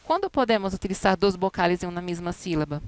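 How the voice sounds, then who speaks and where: A woman's voice: fairly low pitch, expressive, quick pace, clear, resonant tone, dry recording. A woman teaching a Spanish class, explaining grammar step by step and reading out example words and sentences, speaking.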